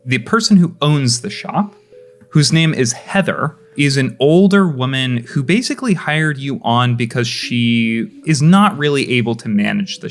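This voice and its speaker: A young man narrating as game master, casual, with restarts and lots of questions to the players. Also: mid-range voice. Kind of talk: narrating a tabletop role-play game.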